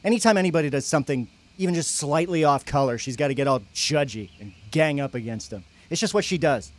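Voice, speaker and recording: A man's voice: fairly high pitch, animated, fast, close to an everyday voice. A young man acting a brash, foul-mouthed, resentful guy at a church camp, griping in slangy, emphatic audio drama dialogue.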